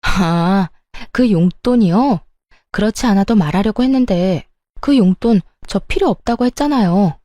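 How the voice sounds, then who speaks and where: Woman acting a defiant, mellow-voiced daughter-in-law. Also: mid-range voice, moderate pace, no echo, clean studio sound, lightly acted. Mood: scornful, defiant. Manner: firm, sarcastic, confrontational. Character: indignant, defiant daughter-in-law standing her ground.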